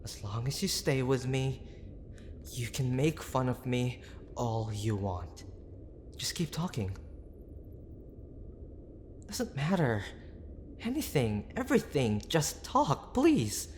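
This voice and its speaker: A man acting a gruff but tender young boyfriend who is desperately worried, speaking in a halting, pleading, intimate way for an audio roleplay. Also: medium pitch, very animated, darkish tone, slight background noise. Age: young adult. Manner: halting, pleading, with sighs and breathy asides.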